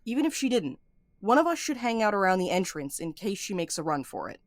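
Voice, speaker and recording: A woman's voice: medium pitch, very animated, a little fast, no echo, studio quality. A woman acting in an audio drama as a brash, impatient and snarky amateur sleuth with a blunt manner. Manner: blunt, foul-mouthed, bossy.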